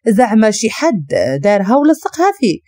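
A woman's voice: a little high, animated, brisk, warm tone, no room sound, studio quality. A woman voicing a sarcastic male police officer, with a Moroccan accent and a taunting manner. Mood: mocking.

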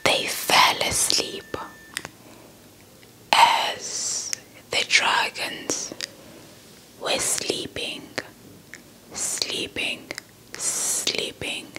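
Very slow, crisp whispering woman. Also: bright, forceful tone, rough recording. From South Africa. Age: young adult. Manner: deliberate, repeats words hypnotically. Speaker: ASMR storyteller. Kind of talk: whispered ASMR folktale narration. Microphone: small handheld mic held close to the mouth.

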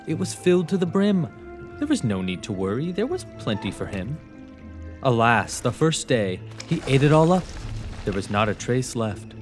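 A man narrating a rhyming children's story in a theatrical, rhythmic, expressive way. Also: medium pitch. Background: music.

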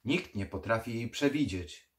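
A man's voice: low voice, measured pace. A man reading the part of a stubborn, haunted young man in an audiobook horror story. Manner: stubborn, agitated.

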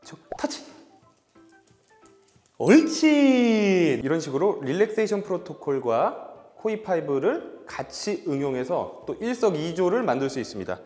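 A male dog behavior veterinarian and trainer giving an upbeat training demonstration, bursting into cheerful praise and quick commands. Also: fairly high pitch, very animated, darkish tone. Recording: echoey hall with faint music.

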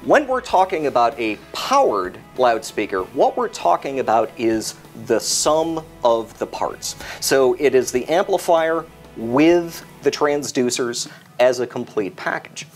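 A middle-aged American man with a medium-pitched voice explains technical details. He is methodical and stresses key points, with music present behind him. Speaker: product expert. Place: indoor product display set.

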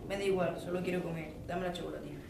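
A teenage boy with a Spain Spanish accent reads a scripted story at a quick pace. He is in a roomy classroom, away from the mic, with clear noise behind him. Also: high-pitched, fairly even intonation, far from the mic. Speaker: student reading radio play. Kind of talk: scripted narration and dialogue, read aloud. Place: school classroom.

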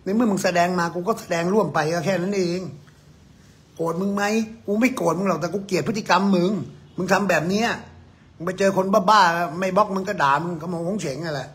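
A man's voice: high-pitched, a little fast, a bit bright. An older man, an amulet expert, giving a blunt, profane, scolding lecture to his viewers.

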